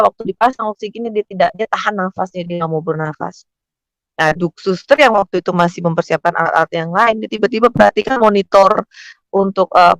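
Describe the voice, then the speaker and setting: A man's voice: sits high, dry recording, poor audio. A male pastor telling a family testimony in a conversational storytelling sermon, acting out the quotes of the people in the story.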